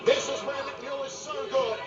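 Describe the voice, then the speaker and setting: Male play-by-play fight commentator, very high pitch, dramatic, excited, strong echo, loud music behind. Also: fairly quick, far from the mic, over a noisy crowd. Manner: dramatic, excited, florid phrasing. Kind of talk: live sports commentary. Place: fight arena. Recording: echoey, dull broadcast sound, loud music behind.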